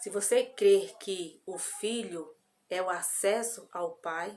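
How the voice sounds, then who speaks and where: This is a woman speaking at a medium pitch. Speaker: bible teacher. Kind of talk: sermon.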